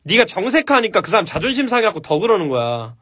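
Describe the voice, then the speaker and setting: A man's voice: sits high, sing-song, fast talker, fairly bright tone. A man hosting a casual live stream, answering viewer questions with blunt, profane advice.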